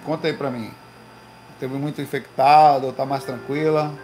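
A man hosting a casual livestream from his home, telling slangy, animated stories to his viewers. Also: medium pitch, moderate pace, a little hiss or hum, poor audio. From Recife, Brazil. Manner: slangy, animated storytelling with lots of "velho" and "cara". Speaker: livestream host. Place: home room.

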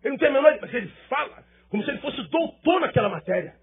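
A man's voice: very high voice, animated, racing, phone-quality sound. A male pastor preaching a sermon with emphatic rhetorical questions and repetition.

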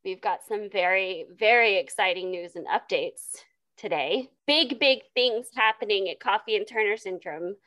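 A young adult woman hosting a podcast, bubbly and excitable in casual chat. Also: medium pitch, moderate pace, rough recording. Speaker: podcast host.

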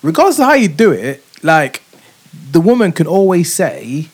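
A man's voice: a little high, big pitch swings, normal speed, a little mellow, breathy edge. A man with a London accent talking casually as a podcast host, in roadman street slang. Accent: London, urban street slang. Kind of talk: casual chat.

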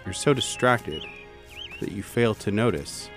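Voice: medium pitch, lively intonation, measured pace. A game master with a storyteller's delivery, giving dramatic narration for a tabletop horror game. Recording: prominent music under the voice. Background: music.

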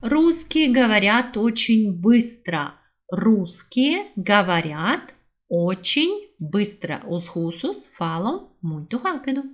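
A woman teaching a language lesson, repeating each phrase slowly and switching between two languages to explain it. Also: mid-range voice, sing-song.

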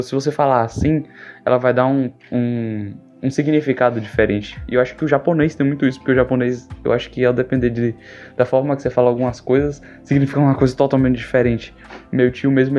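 A young man from Brazil talks in a loose, joking ramble, trailing off and circling back as he hosts his casual podcast. His voice sits at an ordinary middle pitch. The sound is muffled like a video call, with faint music underneath. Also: a little mellow. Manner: rambling, jokey, trailing off and restarting. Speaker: podcast host. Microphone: video call mic.

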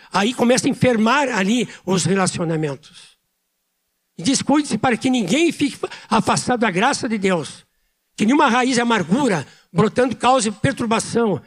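A man preaching a sermon as pastor, speaking loudly with pauses and emphatic repetition. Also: high-pitched. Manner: speaks loudly by his own account.

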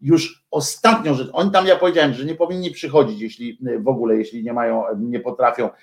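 A man's voice: mid-range voice, steady tone, fast talker, reverberant. A man delivering a heated, scornful political rant straight to his viewers, with many hesitation fillers. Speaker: political commentator. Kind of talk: ranting monologue to viewers.

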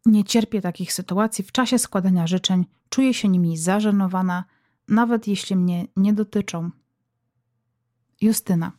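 A woman hosting a podcast, reading listeners' letters aloud in a calm, measured way. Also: medium pitch, no echo, clean studio sound. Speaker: podcast host.

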